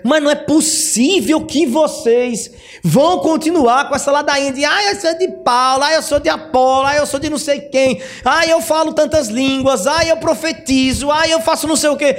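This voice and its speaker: A man's voice: extremely high pitch, moderate pace, voice pushed up. A man voicing an indignant apostle who scolds a quarrelsome church in an exasperated rant.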